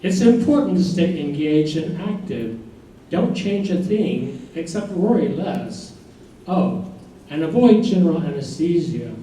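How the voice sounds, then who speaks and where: A man's voice: on the high side, expressive, a little slow, dark tone. A man playing a reassuring, clinical doctor handing out advice in a staged reading. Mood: advising. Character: brisk, advising male doctor, reassuring and clinical. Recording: very echoey distant stage recording, faint noise.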